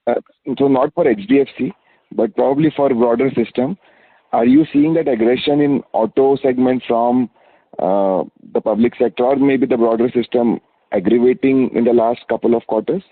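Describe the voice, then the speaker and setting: A male analyst with an Indian accent speaks in a deferential, slightly hesitant way at a middling pitch. He is heard over a narrow phone line with very little room sound. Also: normal speed, no echo. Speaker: analyst asking questions. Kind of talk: earnings call questioning. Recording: dry, thin phone line.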